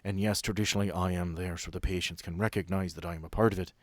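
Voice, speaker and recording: Tabletop horror: male game master as strict female head nurse, authoritative and brusque, lowish voice, dry recording. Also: steady tone, fast talker, no echo, natural voice. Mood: curt, haughty. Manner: clipped, authoritative, dismissive. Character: stern, curt, possessive female head nurse of sanatorium.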